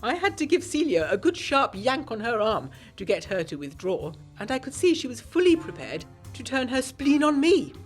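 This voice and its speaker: A woman's voice: a little high, big pitch swings, moderate pace, hardly any pauses, faint music behind. A woman playing a prim, resolute young woman, narrating a period audio drama in the first person with formal diction and wry asides. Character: prim, secretive, resolute young woman telling her gothic tale.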